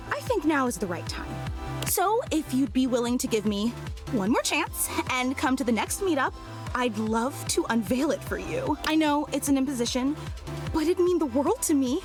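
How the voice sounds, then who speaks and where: A woman playing a gushing, overly intense admirer in a video game, speaking in an earnest, pleading, ingratiating way. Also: sits high. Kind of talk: video game character acting.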